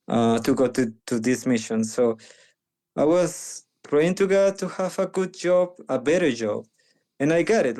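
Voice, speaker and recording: Guest: young Panamanian man, slow and mellow, halting speech full of restarts, second-language speaker. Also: mid-range voice. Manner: halting, many restarts and fillers. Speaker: guest, medical missionary. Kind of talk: conversational interview.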